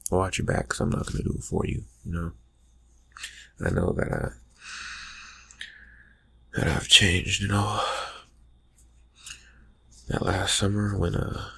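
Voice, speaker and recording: Man playing a slow, gravelly, murmuring vampire friend. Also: full character voice. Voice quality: breathy, husky, gravelly low murmur. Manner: halting, mumbling, trailing off. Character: brooding, distracted young male vampire friend, slyly teasing. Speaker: ASMR roleplay performer. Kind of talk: ASMR roleplay, improvised soft talk to the listener.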